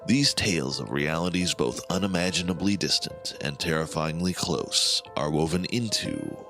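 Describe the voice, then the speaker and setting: A man playing an ominous, theatrical horror anthology host who narrates in portentous, deliberate phrases. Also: a bass voice. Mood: ominous, grave. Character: ominous, theatrical host of a mysterious otherworldly radio signal. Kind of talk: scripted dramatic horror narration. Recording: music under the voice. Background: music.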